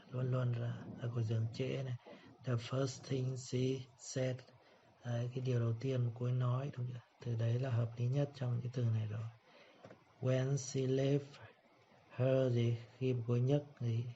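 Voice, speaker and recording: A man whose first language is Vietnamese, teaching an English pronunciation lesson. He reads the English examples slowly and explains them quickly in between, often checking in with a tag question. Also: medium pitch, gravelly, dark tone. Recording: dull lo-fi sound with faint room noise.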